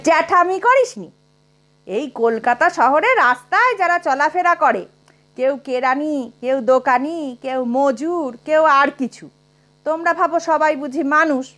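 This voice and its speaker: A woman's voice: sits high, animated, a little slow, a bit bright. A woman voicing a blunt elderly man who mocks and lectures his listeners in a storybook reading. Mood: lecturing. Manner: lecturing, mocking.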